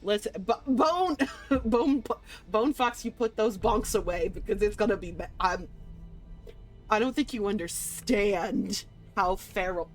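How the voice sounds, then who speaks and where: Female streamer, mid-range voice, excitable and informal, talking to live chat with music underneath. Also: medium pitch, unhurried, rough recording. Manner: excitable, gushing, playful; slangy, swearing. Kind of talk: casual livestream chat to viewers. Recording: music behind the voice.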